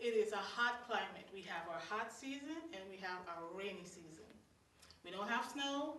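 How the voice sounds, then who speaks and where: With a Guyanese accent, a woman talks at medium pitch with big swings in loudness, and audible room echo. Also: moderate pace. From Guyana. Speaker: storyteller. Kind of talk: storytelling. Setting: story circle with live audience.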